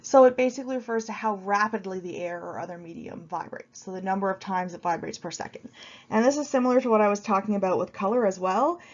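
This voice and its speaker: A woman's voice: mid-range voice, quick pace, dull audio. A woman lecturer with a cold, sounding a bit sniffly, explaining course material in a casual recorded video lecture with frequent ums and restarts. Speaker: university lecturer.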